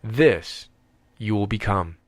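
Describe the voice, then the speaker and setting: A man's voice: on the low side, lively intonation, no echo. Man narrating an audiobook, very dry sound. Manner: measured, deliberate phrasing with emphatic pauses.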